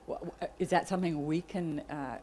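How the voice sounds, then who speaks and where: A woman in the audience asking a question, hesitant and halting. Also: deep voice, darkish tone, a little hiss or hum. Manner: hesitant, with fillers. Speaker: audience member. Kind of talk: question from the floor. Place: lecture room.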